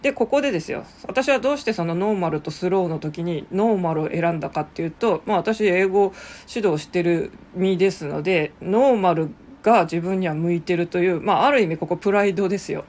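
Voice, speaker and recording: A woman's voice: on the low side, brisk, hardly any pauses, darkish tone. A woman who teaches English, talking casually on her own show with lots of fillers and asides. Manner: chatty, frequent fillers and asides. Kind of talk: casual solo talk.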